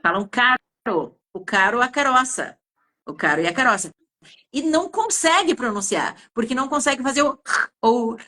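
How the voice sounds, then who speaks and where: Woman, southern Brazilian accent, fairly high voice, explanatory, chatty. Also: animated, moderate pace, bright, forceful tone. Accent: southern Brazilian Portuguese. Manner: explanatory, gives many examples, frequent hesitations. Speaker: communication teacher. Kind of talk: casual two-person chat.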